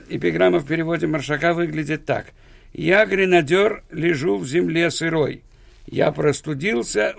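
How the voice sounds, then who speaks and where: A man, a guest author on a radio show, hesitating with fillers and reciting short verse slowly. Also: on the high side, creaky, dry recording. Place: radio studio.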